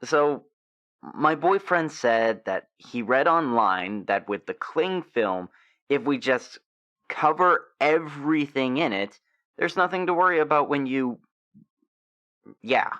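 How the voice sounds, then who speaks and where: A man playing an awkward, embarrassed sixteen-year-old werewolf boy in an audio drama, hesitant, stammering and clearing his throat. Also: mid-range voice, expressive, slow pace, bright, forceful tone, dull audio.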